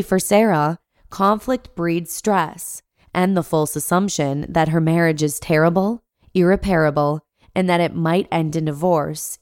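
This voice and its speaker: Woman podcast narrator, congested from a cold, lowish voice, dry close sound, friendly asides. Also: darkish tone, dry recording. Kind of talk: reading a blog post aloud.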